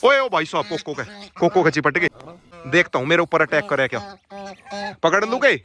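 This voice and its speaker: A man, talking casually to his viewers while he walks his dog farm and shouts to his dogs. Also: a little high, big pitch swings, moderate pace. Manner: calls out loudly to his dogs. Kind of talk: casual vlog commentary.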